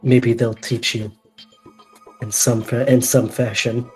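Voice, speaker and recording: A man's voice: medium pitch, little pitch movement, slow pace, faint music behind, low-quality recording. A man playing a tabletop game, talking in character in an earnest, reassuring way. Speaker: player. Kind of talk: in-character tabletop role-play.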